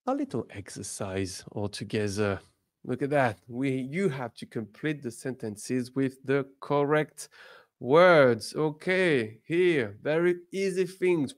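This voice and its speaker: A man teaching a beginners' lesson, drawing out model words slowly and breaking into lively emphatic bursts. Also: medium pitch. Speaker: French teacher.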